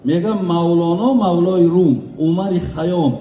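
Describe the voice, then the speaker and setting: A man's voice: sits high, muffled recording. A man with a Tajik accent gives an earnest wedding sermon as a preacher, often addressing his listeners as brothers. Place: large echoey hall at a wedding. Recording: echoey hall, voice from far off.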